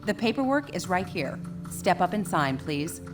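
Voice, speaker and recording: A woman's voice: lowish voice, big pitch swings, moderate pace. A woman voicing a stern, smug government enforcer in a video game, commanding and coolly polite. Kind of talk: video game cutscene dialogue. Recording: music behind the voice.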